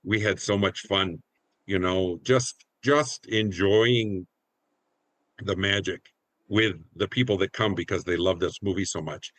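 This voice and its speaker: A man's voice: sits low, fairly even intonation, measured pace, fairly bright tone, no room sound, low-quality recording. A middle-aged American man reminiscing casually as a community theater actor in a group interview.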